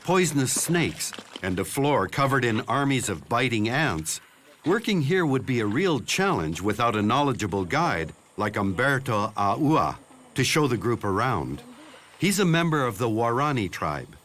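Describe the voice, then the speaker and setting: A man delivering scripted nature documentary narration in a measured, explanatory way. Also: mid-range voice, sing-song, a bit bright, slight background noise.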